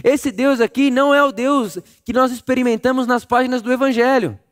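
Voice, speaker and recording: A man preaching a sermon, telling the story vividly and swinging from loud emphasis to a hush. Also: very high-pitched, brisk. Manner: animated storytelling, acting out voices, swings between loud and hushed.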